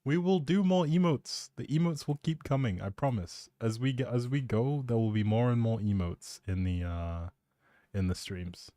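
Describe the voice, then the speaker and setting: A man's voice: medium pitch, normal speed, warm tone, dry recording, studio quality. A man live streaming, chatting casually in an appreciative, rambling way and thinking aloud as he goes.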